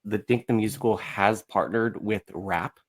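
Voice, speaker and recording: A man with a fairly low voice talks as a podcast guest. His delivery is casual and halting, as he feels his way toward the right words. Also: steady tone. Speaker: podcast guest, musical creator. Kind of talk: casual chat.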